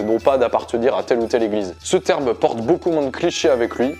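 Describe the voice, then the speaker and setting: A man's voice: medium pitch, mellow. A man hosting a faith advice vlog, talking in an upbeat, direct and joking way. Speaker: faith video host.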